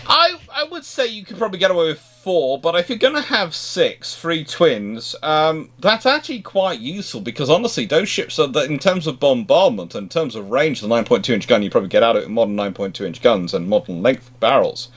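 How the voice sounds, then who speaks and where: Halting man discussing naval hardware. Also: medium pitch, very animated, fairly bright tone. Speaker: naval history expert answering questions. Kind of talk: discussion and commentary on naval history.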